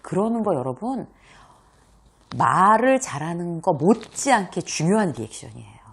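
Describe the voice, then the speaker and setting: A woman hosting her own lesson on speaking well, talking straight to viewers in a lively way and acting out examples with frequent laughs. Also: fairly low pitch, moderate pace, slightly rough. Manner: animated, acts out examples, laughs often. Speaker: host and workplace communication coach. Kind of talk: talking-head lecture.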